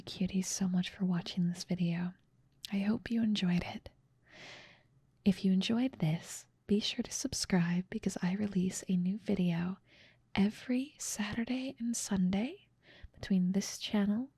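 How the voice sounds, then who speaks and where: A woman speaking in a breathy whisper as an ASMR host addressing her viewers. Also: medium pitch, mellow, dry recording, studio quality. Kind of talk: whispered ASMR outro, thanking supporters.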